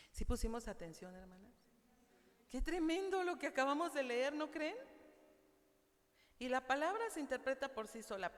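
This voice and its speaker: A woman's voice: a little high, fairly bright tone. A woman preaching at a women's church meeting, reading scripture aloud and asking her listeners questions. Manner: asks the audience questions, laughs. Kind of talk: sermon with Bible reading. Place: church hall. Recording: hall reverb.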